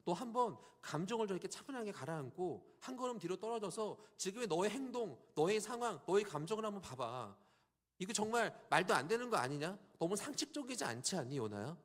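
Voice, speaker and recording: A male preacher voicing God as a patient, gentle father, asking soft, coaxing questions of a sulking prophet. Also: high-pitched, very animated, brisk. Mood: gently reasoning.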